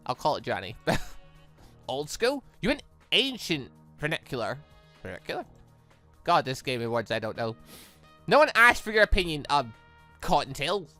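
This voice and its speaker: Animated, bright-voiced visual novel read-along host. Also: mid-range voice, moderate pace, pauses often, soft background music. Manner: animated, rambling, slips between reading and reacting. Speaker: YouTube host reading a visual novel aloud. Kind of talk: lively read-along commentary with ad-libbed asides.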